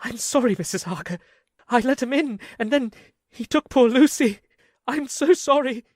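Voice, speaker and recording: A man's voice: very high voice, lively intonation, moderate pace, no echo, studio quality. An actor playing a guilt-ridden, rambling asylum madman in a community radio play, swinging from mutters to frantic cries. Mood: desperate.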